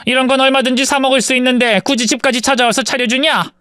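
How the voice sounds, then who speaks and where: A man's voice: extremely high pitch, steady tone, fast talker, sharp tone, smooth, dry recording, clean studio sound, voice pushed up. A man voicing a spiteful middle-aged mother-in-law who scolds and sneers at her daughter-in-law. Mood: scornful. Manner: sarcastic, scolding.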